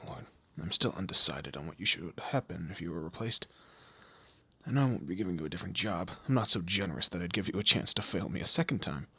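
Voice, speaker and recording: A man playing a commanding, teasing demon lord in an audio roleplay, with a low gravelly, husky voice and an imperious, theatrical manner. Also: lively intonation, fast talker, pushed and bright, no room sound, heavily acted. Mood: stern, threatening. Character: male demon lord, commanding, menacing, teasing boss of hell. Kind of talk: scripted audio roleplay addressed to the listener.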